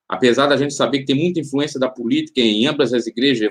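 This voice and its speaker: Fairly quick pace from a man, his voice at a medium pitch. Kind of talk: news commentary. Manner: halting, self-correcting.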